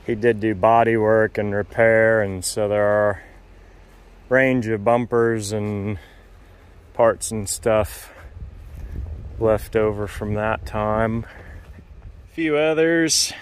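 A man strolls through an outdoor lot, giving a matter-of-fact tour in a smooth, resonant voice that sits a little low. He talks slowly, with plenty of room between his remarks. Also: fairly even intonation. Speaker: vlogger touring a car lot. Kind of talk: casual walk-around tour narration. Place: outdoors on a wooded car lot.

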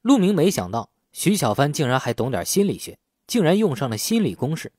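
A man's voice: fairly high pitch, very animated, fairly quick, darkish tone, slightly rough, dry recording, clean studio sound. A man narrating an audiobook in a scripted storytelling style. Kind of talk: scripted audiobook narration of an urban crime novel.

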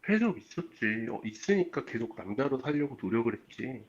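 Man, phone caller, dull muffled line, mid-pitched voice, hesitant, conciliatory, casual personal chat. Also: sing-song, brisk, slightly rough.

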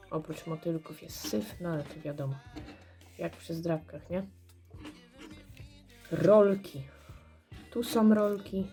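A hoarse woman calmly commenting while she scratches lottery cards and checks the symbols. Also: on the low side. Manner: slow, murmured checking of symbols. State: hoarse, clearing throat. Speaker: scratch card vlogger.

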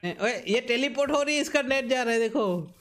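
A man's voice: very high-pitched, expressive, brisk, a bit bright, faint music behind. A man hosting a gaming channel, chatting casually while playing with friends, playful and teasing, laughing often. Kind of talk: casual gameplay chat with a friend.

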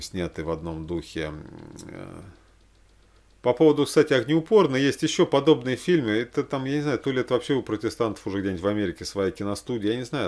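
A man speaking casually and ramblingly as he recommends things to watch, halting and repeating himself for emphasis. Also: on the low side, creaky. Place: small room indoors.

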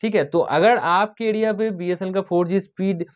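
An Indian man hosting a tech channel casually goes through viewer comments in a high voice at a moderate pace. He spells out place names letter by letter and often repeats "okay."

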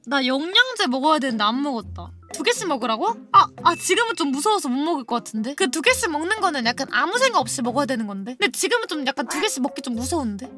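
A woman's voice: high-pitched, big pitch swings, fast talker, few pauses, music in the background. A woman livestreamer chatting casually with viewers in a cute, playful, dramatic anime-style manner. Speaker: livestreamer host.

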